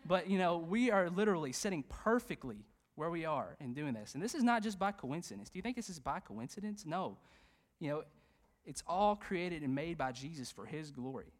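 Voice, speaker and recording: A man, a youth pastor preaching a sermon in a church, animated and conversational, with frequent fillers and jokes. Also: a little high, normal speed. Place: church sanctuary.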